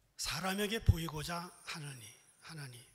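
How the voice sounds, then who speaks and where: A man speaks at a fairly quick pace in a raised, projected voice with ordinary pitch variation. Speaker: pastor. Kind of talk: sermon. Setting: church.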